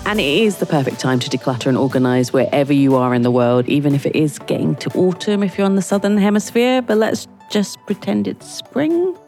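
A woman hosting her own podcast, croaky from a cold, chatting casually with lots of fillers and restarts. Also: low-pitched, darkish tone. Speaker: podcast host. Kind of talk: casual solo podcast talk.

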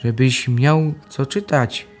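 A man's voice: mid-range voice, fairly even intonation, slow pace, close to an everyday voice. A young male performer playing an earnest poor boy from a mining town in a radio play, with a Silesian Polish accent. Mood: solemn, tender.

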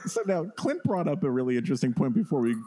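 Jokey male podcast co-host, lively pitch. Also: quick pace, slight background noise. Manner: playful, jokey, punning. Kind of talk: casual podcast interview.

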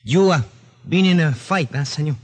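A sly, balding restaurant man, played by a man, speaks in a husky, slightly raised voice with a Spanish accent. He is evasive and teasing in an old radio drama. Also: fairly high pitch, moderate pace, close to an everyday voice. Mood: wary. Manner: evasive, mocking. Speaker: restaurant worker. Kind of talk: 1940s radio acting.

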